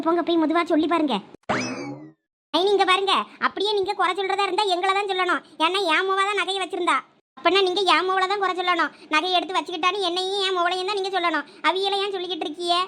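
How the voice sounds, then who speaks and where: A woman with a Thoothukudi Tamil accent voicing quarrelsome village women in a cartoon family fight. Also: very high voice. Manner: sharp scolding, rapid village chatter. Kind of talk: cartoon dubbing.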